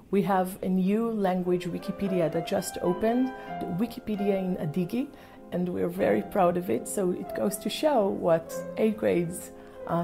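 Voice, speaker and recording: A woman's voice: mid-range voice, creaky. A woman academic answering thoughtfully in an interview, with many fillers, in a library room.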